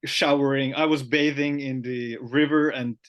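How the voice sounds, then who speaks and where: Finnish-accented male podcast host, chatty and halting, mid-pitched. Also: fairly even intonation, highs cut off. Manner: chatty, halting with frequent "uh" fillers. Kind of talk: casual podcast conversation.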